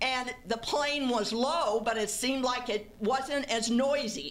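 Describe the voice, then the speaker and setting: A fairly high-pitched woman's voice at a fairly slow pace, with audible room echo. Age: 60s. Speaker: public commenter. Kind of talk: public comment at a meeting. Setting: public meeting hall.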